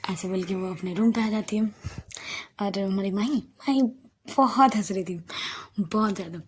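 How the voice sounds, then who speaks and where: A woman narrating an audio love story in a conversational manner, going soft and hushed in tender passages. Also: medium pitch, normal speed, a little hiss or hum.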